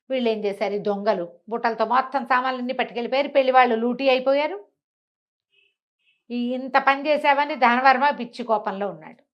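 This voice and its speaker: Woman storyteller, fairly high voice, conversational, animated narration. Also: lo-fi sound. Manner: conversational, acts out characters' dialogue. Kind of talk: animated informal oral storytelling.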